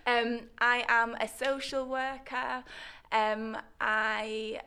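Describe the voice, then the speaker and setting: A woman's voice: fairly high pitch, flat delivery, drawn-out words, pushed and bright, clean tone. A woman guest on a casual Christian podcast, talking in an enthusiastic, playful way. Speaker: podcast guest, social worker.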